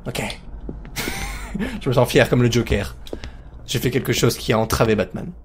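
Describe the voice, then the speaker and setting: A man commentating a horror game as he plays it, jokey and excitable, talking to himself. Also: medium pitch, brisk, breathy edge. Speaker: let's play host.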